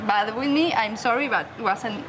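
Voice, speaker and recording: A young woman with a Spanish accent, insisting in halting non-native English. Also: on the high side. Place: busy airport terminal. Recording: clear crowd and background noise.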